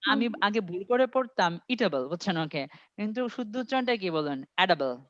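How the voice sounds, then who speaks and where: A man tutoring an online IELTS class, reading English sentences slowly and quizzing his students step by step. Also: high voice, lively intonation, a bit bright, no room sound. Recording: dry, dull lo-fi audio.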